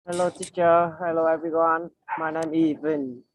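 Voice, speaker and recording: A man's voice: on the high side, little pitch movement, moderate pace, poor audio. A man in his twenties with a Vietnamese accent, introducing himself in short, plain English sentences. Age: 20s. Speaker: student.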